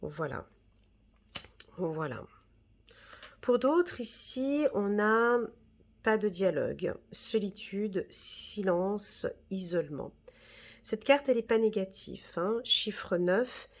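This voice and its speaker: A woman's voice: mid-range voice, lively intonation, takes it slowly, pauses often. A woman giving a casual, reassuring tarot reading, full of fillers and "d'accord?" checks. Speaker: tarot reader.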